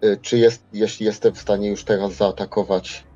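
A man playing a tabletop roleplaying game, describing his character's actions casually and haltingly, repeating words as he goes. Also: lowish voice, level tone, dark tone. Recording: dull lo-fi microphone sound. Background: music.

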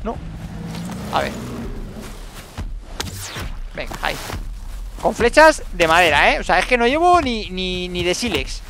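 Excitable man in gravelly game commentary. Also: high voice, faint music behind. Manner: excitable, repeats words in rapid bursts, talks to himself. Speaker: gaming YouTuber. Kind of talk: live gameplay commentary.

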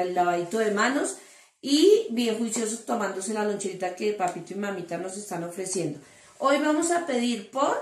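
Woman teacher, patient and slow, sounding out syllables for small children, echoey room. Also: medium pitch, a little mellow. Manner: slow, syllable-by-syllable dictation with endearments. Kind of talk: online class for young children.

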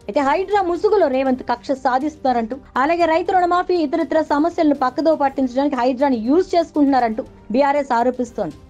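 A woman's voice: high-pitched, warm tone. A woman reading a scripted news voice-over as narrator. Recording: dull lo-fi audio under music. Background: background music bed.

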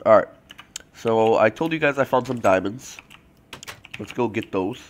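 A young man with a low-ish voice and a thick, stuffy nose from a cold. He chats loosely over his gameplay, full of fillers and self-corrections, speaking into a desk mic at his computer. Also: lively intonation, a little slow, slight background noise. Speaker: let's play host. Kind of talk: casual gameplay commentary.

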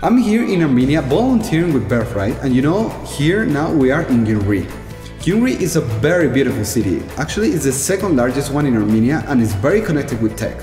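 A lively young man from Chile talks to camera in a long, roomy hall, his pitch swinging freely. Music plays clearly beneath him, and the reverb hangs in the space. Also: brisk. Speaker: volunteer teacher. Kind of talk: casual talk to camera. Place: large bright indoor hall.

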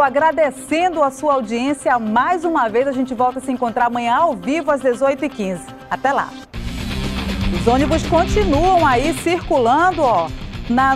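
Brazilian female anchor, studio read, polished and brisk, high register. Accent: Brazilian Portuguese. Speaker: news anchor. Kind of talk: scripted news reading. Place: TV news studio.

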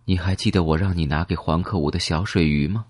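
A man voicing a grieving, blind elderly grandmother in an audiobook, telling her story in a quiet, bitter way. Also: deep voice, fast talker, no room sound.

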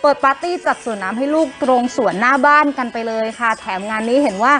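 A woman co-hosting a television entertainment news show, with a high, bright voice. She presents celebrity stories in a lively, expressive way and throws teasing questions at her partner. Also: fast, soft background music.

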